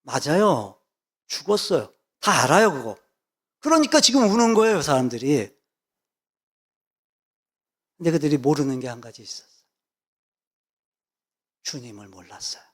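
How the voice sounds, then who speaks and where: A man's voice: a little high, big pitch swings, normal speed, long pauses, fairly bright tone, breathy edge. A male pastor preaching a sermon, emphatic, repeating key words and asking rhetorical questions.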